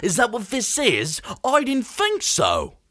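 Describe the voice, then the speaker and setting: A man's voice: very high voice, huge pitch swings, takes it slowly, sharp tone, no room sound, clean studio sound, voice pushed up, exaggerated voice. A man playing a bullying boss with a Cockney accent, mocking and threatening his crew.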